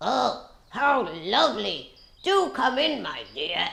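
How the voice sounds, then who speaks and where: In a squeaky, high-pitched, put-on character voice that sounds female, the speaker goes at a very slow pace with audible echo. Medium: read story. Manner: sly, put-on sweetness.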